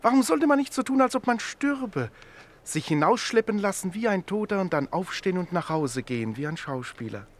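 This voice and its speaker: Mild, guileless Christian tailor with lively intonation. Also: male voice, high-pitched, a little fast. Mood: curious. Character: gentle, animal-loving Christian tailor, mildly stubborn. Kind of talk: radio play acting.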